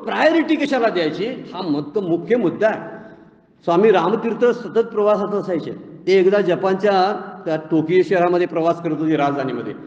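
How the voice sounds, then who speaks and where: A man gives a devotional talk on scripture in a high, ringing voice. He tells homely stories and keeps asking his listeners questions. The sound is roomy and echoing, with a long hall tail and a slightly dull, muffled tone. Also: expressive, a little fast, a little mellow. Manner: folksy storytelling with rhetorical questions. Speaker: spiritual discourse speaker.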